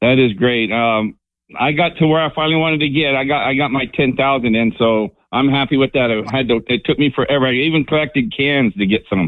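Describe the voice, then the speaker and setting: A plain, everyday voice from a man at medium pitch, fairly quick, with ordinary pitch variation and very even loudness. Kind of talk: casual chat. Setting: phone call.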